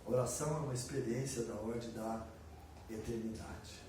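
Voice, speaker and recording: Brazilian preacher in an echoey hall. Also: male voice, mid-range voice, fairly even intonation, normal speed. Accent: Brazilian Portuguese. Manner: conversational, acts out prayers and asks the audience questions. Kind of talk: sermon. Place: church hall. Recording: echoey room from far off, faint noise.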